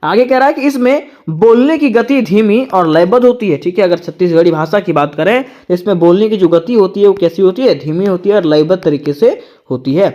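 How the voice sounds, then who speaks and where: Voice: mid-range voice, animated, a little fast, warm tone, dull audio. A tutor giving an exam-prep lecture, asking rhetorical questions and answering them, repeating each point twice.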